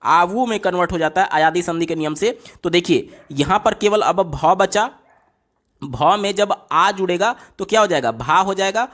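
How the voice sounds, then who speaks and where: A man's voice: fairly high pitch, fairly bright tone. A man tutoring through a teacher exam paper, asking questions and answering them himself and repeating the right option. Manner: asks and answers his own questions, repeats answers.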